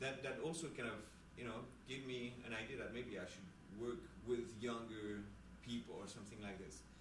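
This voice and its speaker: A man with a French accent speaks at medium pitch, with vocal fry and ordinary pitch variation. He leaves long, frequent pauses, and the room echo is audible. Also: moderate pace. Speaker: French and Latin teacher. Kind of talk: interview answer. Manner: halting, with fillers and restarts.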